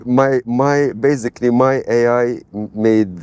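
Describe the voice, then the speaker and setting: A middle-aged man from Malta, a guest telling stories in a rambling, animated way in casual interview chat. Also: mid-range voice, a little slow, clear, resonant tone. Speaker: guest, AI expert.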